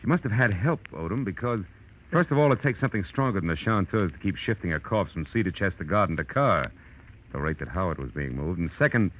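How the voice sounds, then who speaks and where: A man's voice: sits low, lively intonation, fast, lo-fi sound, a little hiss or hum. A man playing a tough, wry private detective in 1940s radio drama style, with clipped, slangy delivery. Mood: businesslike. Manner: clipped, slangy, hard-boiled. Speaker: actor playing the lead and narrating. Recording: old radio recording with music.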